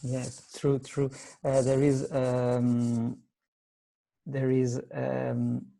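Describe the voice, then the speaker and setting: A man's voice: mid-range voice, monotone, drawn-out words, vocal fry, dark tone. A man moderating a lecture Q&A in non-native English, hesitant and rephrasing as he reads out audience questions.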